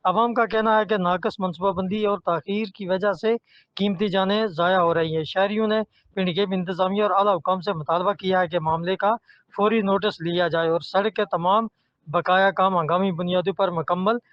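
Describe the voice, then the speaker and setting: A man from Pakistan delivering a field news report in a formal, steady manner. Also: high-pitched, moderate pace, dry recording. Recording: dry, dull lo-fi report audio.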